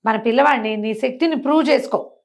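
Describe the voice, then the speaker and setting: A woman's voice: a little high, fast, natural voice. A cunning minister of a folk-tale court, voiced by a woman storyteller. He is sly and explains his schemes coolly, step by step. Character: cunning, plotting royal minister, adult man.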